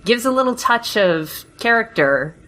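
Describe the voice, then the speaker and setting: A woman speaking as a panelist in a casual podcast discussion, halting and thoughtful as she explains. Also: a little high, expressive, fairly bright tone. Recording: slightly noisy hobby podcast.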